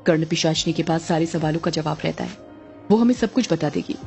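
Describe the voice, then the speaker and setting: A woman's voice: deep voice, brisk, creaky, darkish tone, faint music behind, pitched below the performer's own voice. Woman voicing a stern scheming witch mother. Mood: low scheming. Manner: scolding, commanding.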